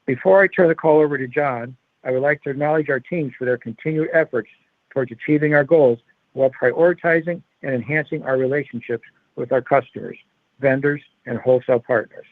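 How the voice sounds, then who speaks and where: A man's voice: mid-range voice, brisk, dry recording. A male company executive reading prepared earnings call remarks in a formal, scripted corporate manner. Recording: narrow-band phone conference line.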